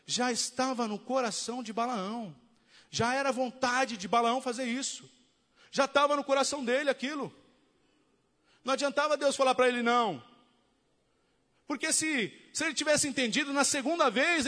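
A man with a Brazilian Portuguese accent preaching a sermon as pastor, telling the story in a lively way and acting out the quoted voices. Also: extremely high pitch, long reverb tail.

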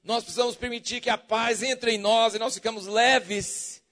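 Man, Brazilian Portuguese accent, preacher, sermon, very high voice, bright and forceful, fervent, jokey, loud-to-soft swings. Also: steady tone, normal speed. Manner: jokey, drawing the congregation in with questions.

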